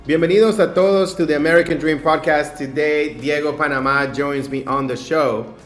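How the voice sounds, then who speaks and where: A man's voice: a little high, fairly even intonation, moderate pace. A man hosting a podcast, introducing and interviewing a guest in an upbeat, emphatic way. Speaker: podcast host. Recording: roomy sound with faint music.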